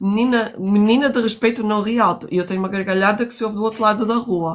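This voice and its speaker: A woman speaks at a very fast pace in an animated tone. Her pitch is fairly high. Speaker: therapist and mentor. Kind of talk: casual chat. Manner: loud.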